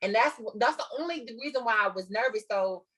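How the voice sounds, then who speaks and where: A woman's voice: a little high, expressive, a little fast, fairly bright tone, a little hiss or hum. A woman from Texas with a Southern Black American accent, telling a story casually and emphatically, repeating herself for effect. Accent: Southern African American English.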